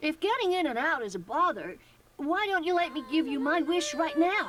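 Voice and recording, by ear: A cartoonish character voice comes through at a high pitch and a moderate pace.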